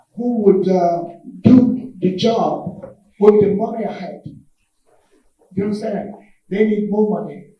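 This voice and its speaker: A man speaks at a fairly slow pace in a high voice with fairly even intonation, pausing long and often, his loudness swinging widely over background music and audible room echo. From Congo. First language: French. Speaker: author. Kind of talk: audience Q&A answer. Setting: book launch event with audience.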